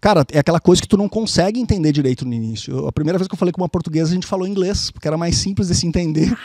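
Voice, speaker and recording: A man's high voice races along very fast, with ordinary pitch variation and hardly any pauses. The sound is dry and close, with no echo. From southern Brazil (Rio Grande do Sul). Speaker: expatriation consultant. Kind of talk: podcast interview. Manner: casual, animated.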